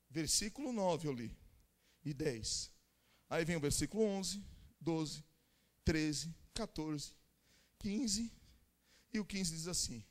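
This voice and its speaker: This man's voice is a little high, and his Brazilian Portuguese accent comes from the São Paulo interior. Preaching a Pentecostal sermon at a church conference, he alternates between casual asides and fervent shouting, speaking in tongues along the way.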